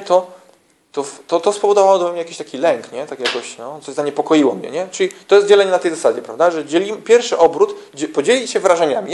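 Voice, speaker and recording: A man with a somewhat high voice gives a casual talk training church group leaders. He speaks conversationally, restarting his phrases and dropping in slang. He keeps tossing quick tag questions at his listeners to check they are following. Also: a little mellow. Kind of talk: informal teaching talk.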